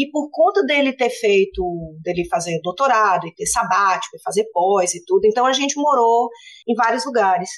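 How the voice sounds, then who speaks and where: Very wide pitch swings in a woman's fairly high-pitched voice. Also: moderate pace. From Brazil, Ceará (Fortaleza). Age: 40s. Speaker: political science professor. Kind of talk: casual interview.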